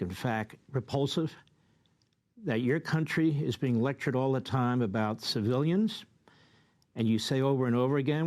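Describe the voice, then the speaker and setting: A male television host opens his segment and puts a long question to his guest. He speaks at a medium pitch, emphatic and indignant, and keeps stacking up his points before he finally asks. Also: darkish tone. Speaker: TV show host. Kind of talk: leading interview question.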